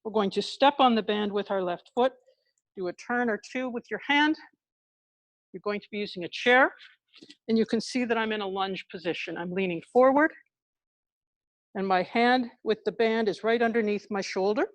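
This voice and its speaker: A woman's voice: mid-range voice, moderate pace, no room sound. Woman instructing exercise through a face mask. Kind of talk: live exercise instruction, demonstrating while explaining. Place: indoors in a hospital building.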